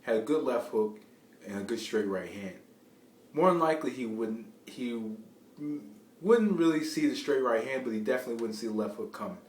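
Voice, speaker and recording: A man giving informal, unscripted boxing commentary in a rambling, halting way, often repeating phrases as he restarts. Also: mid-range voice, expressive. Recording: roomy, distant mic, faint background noise.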